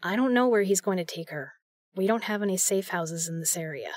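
Woman as tough female agent, protective, blunt, matter-of-fact, lowish voice, dry close sound, audio drama. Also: expressive, a little fast, no echo. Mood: defiant.

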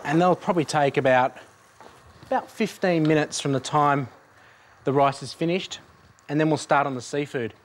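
A man's voice: on the high side, normal speed, long pauses, a little hiss or hum. A young man, a chef in a studio kitchen, explaining a dish step by step as he cooks. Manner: explains step by step while cooking. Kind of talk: cooking demonstration. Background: frying and sizzling in a pan.

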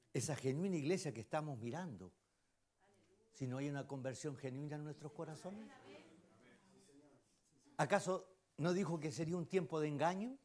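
Man, Chilean accent, lay preacher, high voice, emphatic sermon, rhetorical questions to the congregation. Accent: Chilean Spanish. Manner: swings between loud exclamations and hushed asides.

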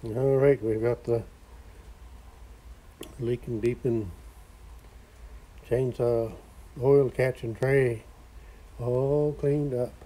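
A man's voice: medium pitch, steady tone, very slow, long pauses, dark tone, poor audio. A man rambling in a folksy way while filming in his cluttered home workshop garage. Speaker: vlogger. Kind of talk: casual workshop vlog.

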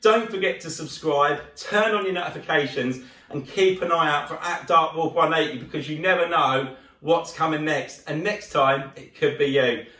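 Middle-aged male host, excitable and chatty, slightly croaky, fairly high voice, recorded far from the mic in an echoey room. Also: moderate pace. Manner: enthusiastic, chatty, gestures while talking. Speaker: channel host. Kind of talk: upbeat announcement to viewers. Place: living room at home, indoors. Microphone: camera across the room. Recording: roomy echo from a distant camera mic.

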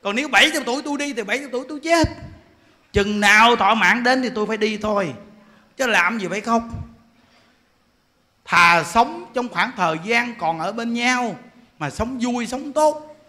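A man's voice: very high-pitched, lively intonation, normal speed, pauses often, bright, forceful tone. A man in his forties with a Southern Vietnamese accent, giving a dharma talk in a joking, laughing way full of rhetorical questions. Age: 40s. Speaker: Buddhist monk preacher.

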